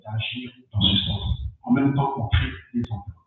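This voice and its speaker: A man's voice: medium pitch, steady tone, normal speed, creaky. Hesitant man in a very echoey room. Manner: hesitant, repeating himself. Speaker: election candidate. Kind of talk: answering at a candidates' debate. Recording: echoey room, far tinny mic.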